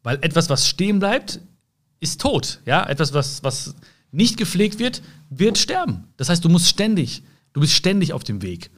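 A man hosting a podcast, giving a gentle, encouraging self-help monologue straight to the listener and often tagging his sentences with a questioning "ja?". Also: fairly high pitch, sing-song, normal speed. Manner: tags sentences with "ja?" and "ne?". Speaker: podcast host.

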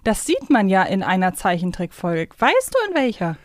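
A woman talks as a podcast co-host at an ordinary mid pitch. The recording is dry, with very little room sound. Her delivery is casual and conversational, as if working out her thoughts while she speaks. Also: wildly swooping pitch, normal speed, dry recording.

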